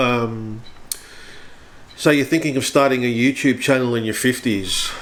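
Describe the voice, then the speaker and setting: Speech at a moderate pace with fairly even intonation comes through noticeable background noise. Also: man. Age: 50s. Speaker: hobby photographer and YouTuber. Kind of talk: casual vlog talk to camera. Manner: hesitant with many fillers.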